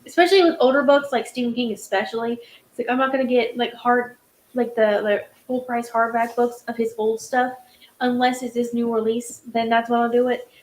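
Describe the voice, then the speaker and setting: A woman's voice: fairly high pitch, fairly even intonation, fairly quick. A woman hosting a casual chat about books, rambling with many fillers and restarts. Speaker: host. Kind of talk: casual video-call chat. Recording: roomy echo.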